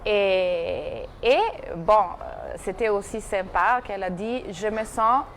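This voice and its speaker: A woman presenter tells a story in a TV studio, talking at a middling pitch. She hesitates often with fillers and restarts. A faint noise sits behind her voice. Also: sing-song, takes it slowly, creaky. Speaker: TV segment presenter. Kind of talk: recounting a guest's story on a TV talk show.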